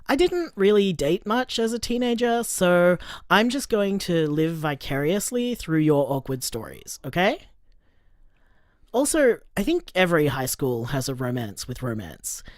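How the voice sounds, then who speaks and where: A playful young gay man , acted by a woman, chats in an audio drama. The voice sits low for a woman and swings animatedly, close and dry. The delivery is teasing, informal and openly smitten. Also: dry recording.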